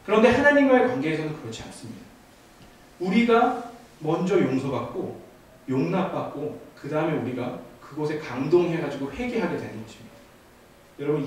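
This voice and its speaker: A man in his thirties preaching a youth sermon, telling a family story with asides to the congregation. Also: on the high side. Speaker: youth ministry pastor. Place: church sanctuary. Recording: echoey church from far off.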